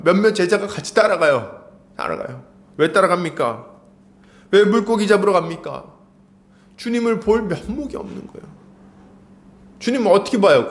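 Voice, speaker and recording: A man preaching a sermon as pastor, storytelling with animated, acted-out lines. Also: high voice.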